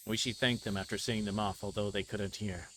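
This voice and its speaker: A man's voice: on the low side, fairly even intonation, brisk, background noise. A man livestreaming a visual novel, reading its narration aloud and tripping over words now and then. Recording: music playing behind the voice. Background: game music.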